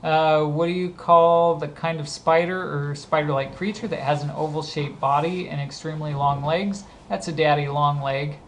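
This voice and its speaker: A man's voice: a little high, fairly even intonation, moderate pace, few pauses, fairly bright tone. Scratchy-voiced Southern California man. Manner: reads each word, then explains usage conversationally. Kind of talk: casual accent-tag word list.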